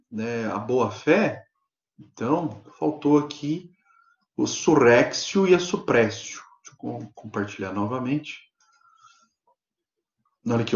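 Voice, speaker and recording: A man with a Brazilian Portuguese accent, a law professor giving a live online lecture, explaining points and checking in with frequent "né?". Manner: explanatory, peppered with "né?" and "tá?" check-ins; animated pitch swings for emphasis. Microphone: computer mic on a video lecture platform. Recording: echoey, dull lo-fi online class audio.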